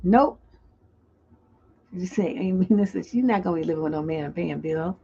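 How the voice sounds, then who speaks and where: A woman with a warm, lowish voice talks at normal speed, with a little hiss or hum. She's a relationship coach running a live call-in stream, loosely chatting and reading viewers' comments aloud. The audio is dull and lo-fi.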